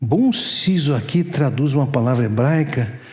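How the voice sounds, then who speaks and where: A very slow, fairly high male voice with ordinary pitch variation and audible room echo. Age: 60s. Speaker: pastor. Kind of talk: sermon.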